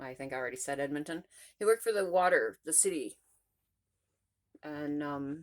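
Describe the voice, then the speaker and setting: Her voice is very deep and low for a woman, with ordinary pitch variation and big swings in loudness. She talks at a fairly quick pace with long, frequent pauses, in a very clean recording with a silent background. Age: 50s. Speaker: vlogger. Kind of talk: casual vlog monologue. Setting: at home, in bathroom. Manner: rambling, halting with repetitions.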